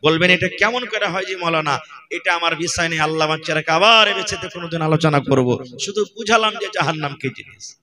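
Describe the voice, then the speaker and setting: A man's voice: fairly high pitch, brisk. A male preacher with a regional Bengali accent from Purnia in Bihar, giving a sermon and firing rhetorical questions at his listeners. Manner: fires rhetorical questions at the crowd. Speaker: Islamic preacher. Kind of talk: sermon at a religious gathering.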